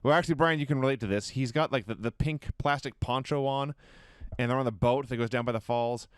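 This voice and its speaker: A man with a smooth, resonant voice and a middle pitch recounts a wrestling match in vivid detail. He builds the story with animated storytelling, casual swearing and little laughs. The sound is dry and close. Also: quick pace, dry recording. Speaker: podcast co-host. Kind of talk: casual wrestling recap chat.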